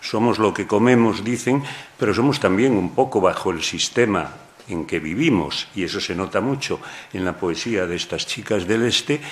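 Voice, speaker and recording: A man from Galicia, a translator, speaking wryly and digressively on a panel at a poetry event. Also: lowish voice. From Galicia, Spain. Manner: wry, joking, digressive. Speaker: translator and anthologist. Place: university lecture hall.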